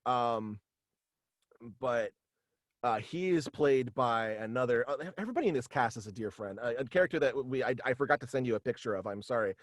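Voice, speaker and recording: Young adult man, medium pitch, casual rambling interview guest, dry close recording. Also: lively intonation, fairly quick, no echo. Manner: rambling, frequent "like". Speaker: guest, voice actor and writer. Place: small room at home, on video call.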